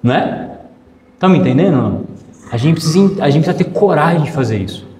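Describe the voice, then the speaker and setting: A man's voice: a little high, animated, fast, a little mellow. A man with a Brazilian Portuguese accent preaching a sermon, emphatic, repeating phrases and acting out quoted voices. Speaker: pastor. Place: church hall. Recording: echoey church hall with long reverb.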